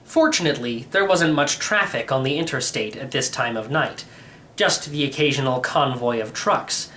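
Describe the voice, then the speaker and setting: Animated man narrating a storybook, noisy recording. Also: mid-range voice. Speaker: storybook reader. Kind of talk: first-person storybook narration.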